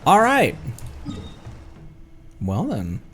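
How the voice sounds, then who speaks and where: A streamer giving casual, excitable live commentary on a game, exclaiming and often repeating phrases. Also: mid-range voice, extremely slow. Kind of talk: casual gameplay livestream commentary. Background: video game music.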